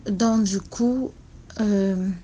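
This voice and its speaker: A Cameroonian woman with a Cameroonian French accent, telling a personal story softly and hesitantly. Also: mid-range voice, fairly even intonation, dull audio. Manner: speaks softly and slowly, with many hesitations. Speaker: caller sharing a story. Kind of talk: personal testimony, slow and deliberate.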